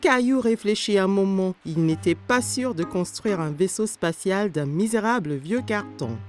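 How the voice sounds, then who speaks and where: A woman narrates a cartoon story for small children. Her pitch is middling for a woman, and music plays clearly underneath. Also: animated, moderate pace, darkish tone.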